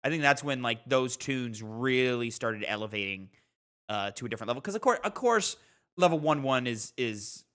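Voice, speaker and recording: A man's voice: mid-range voice, animated, normal speed, fairly bright tone. A man co-hosting a casual gaming podcast, talking informally and giving his opinions emphatically.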